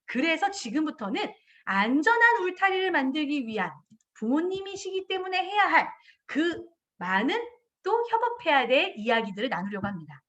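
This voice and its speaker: A middle-aged woman, a kindergarten director, speaks to parents in a parenting lecture. Her voice sits high and swings widely up and down. She brings the talk to life by acting out children and parents in quoted voices. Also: very animated, moderate pace, fairly bright tone, dull audio.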